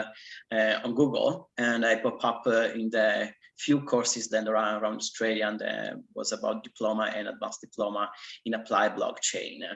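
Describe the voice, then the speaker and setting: A man speaks with an Italian accent. His pace is moderate. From Italy. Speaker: student. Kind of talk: interview. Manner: halting, many fillers.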